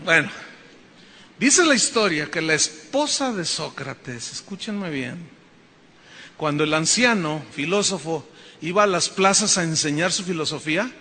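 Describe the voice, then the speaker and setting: A man with a Mexican accent preaching a sermon as pastor, animated, joking and emphatic. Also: on the high side, measured pace, long reverb tail. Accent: Mexican Spanish.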